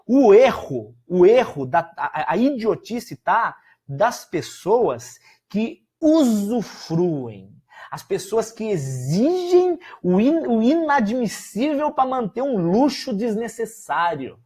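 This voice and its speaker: A man's voice: high voice, slow, slightly rough. A man, a pastor with a Brazilian Portuguese accent, talking casually and emphatically to his viewers. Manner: animated, emphatic, scolding.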